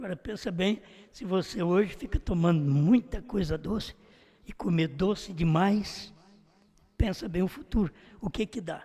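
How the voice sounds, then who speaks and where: Speaking at a fairly slow pace with long, frequent pauses, a man uses a high, dark and mellow voice with ordinary pitch variation. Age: 70s. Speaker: pastor. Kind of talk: sermon. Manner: conversational.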